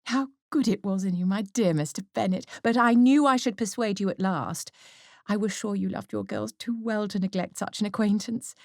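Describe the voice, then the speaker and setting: A woman's voice: medium pitch, moderate pace, no room sound, studio quality, pitched above the performer's own voice, lightly acted. A woman voicing a flighty, nervous middle-aged mother in an audiobook, exclamatory and easily aggrieved or gushing. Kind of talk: audiobook character acting.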